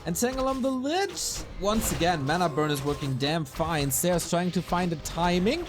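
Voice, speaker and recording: A man casting an esports match play by play, his voice a little raspy, breaking into quick bursts of excitement at big plays. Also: high voice. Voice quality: slightly raspy. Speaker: esports caster. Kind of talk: play-by-play game commentary. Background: game music.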